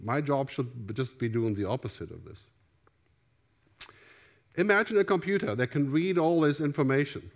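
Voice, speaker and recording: A man's voice: medium pitch, animated, moderate pace, long pauses. A middle-aged man with a German accent giving a conference keynote on a large theater stage. He speaks through a headset mic in a conversational way and often adds "right?". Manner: conversational, gestures widely, asks "right?" often.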